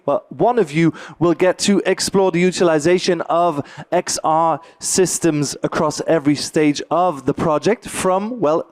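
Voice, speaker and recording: A man's voice: fairly high pitch, a little mellow, no echo. A man moderating at a trade fair stage, introducing a workshop with frequent "well" and "actually" restarts. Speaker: event moderator.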